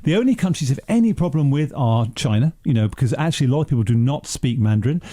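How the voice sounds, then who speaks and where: A man's voice: mid-range voice, lively intonation, fast, warm tone. A man, a businessman guest in a radio studio, giving blunt, firm opinions in casual discussion.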